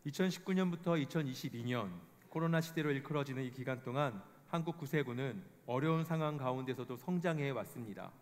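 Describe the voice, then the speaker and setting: A man giving a formal scripted report, reading statistics in a measured way. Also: medium pitch. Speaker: presenter of a report. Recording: long hall reverb.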